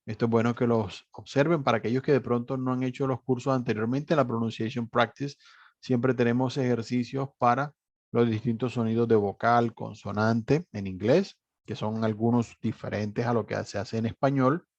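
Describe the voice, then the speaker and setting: Man, steady explanatory teacher, dry muffled recording. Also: medium pitch, normal speed, dry recording. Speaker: English teacher. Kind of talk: online class walkthrough. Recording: dry, slightly dull recording.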